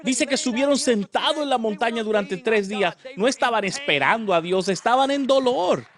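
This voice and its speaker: A man preaching a sermon, telling the story in an animated way and acting out the characters. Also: very high voice, moderate pace.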